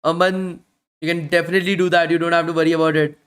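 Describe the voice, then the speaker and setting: This fast talker's voice is on the high side, a bit bright, with little pitch movement. Running his live online bootcamp, he answers questions in relaxed, repetitive speech peppered with "guys" at phrase ends, and he's losing his voice from speaking daily.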